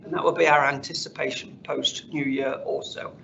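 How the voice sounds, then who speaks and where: Corporate finance guy doing an earnings call, measured, croaky fry in his voice, kinda muffled lo-fi line with a bit of noise. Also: fairly high pitch, steady tone, a bit bright. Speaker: company finance executive. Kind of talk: earnings call slide presentation. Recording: dull conference call audio, faint noise.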